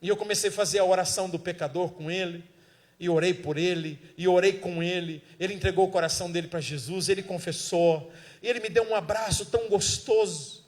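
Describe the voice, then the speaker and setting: A Brazilian man, a missionary evangelist, telling a testimony in a sermon, moving from hushed lines to shouted ones. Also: high voice, fairly quick. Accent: Brazilian Portuguese. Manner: storytelling preacher, swings from hushed to shouting.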